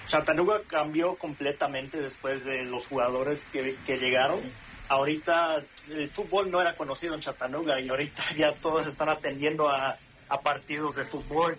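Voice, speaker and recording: A man's voice: fairly high pitch, a bit bright, rough recording. A Mexican man with a Mexican accent, a restaurant manager calling in to a radio show, polite and friendly. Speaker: phone-in guest, restaurant manager.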